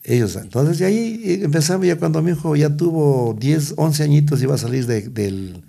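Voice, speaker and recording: A man's voice: fairly high pitch, lively intonation, moderate pace, creaky, mellow. A middle-aged man, telling stories as an interview guest, rambling with many restarts. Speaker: guest musician. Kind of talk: storytelling interview.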